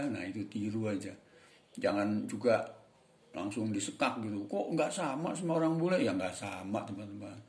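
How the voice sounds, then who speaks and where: A man gives a relaxed English lesson, talking straight to his viewers as friends. His voice sits on the low side and rings in an echoey room. He chats along casually rather than reading a script. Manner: chatty, repeats "teman-teman", mimics voices for examples. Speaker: English tutor.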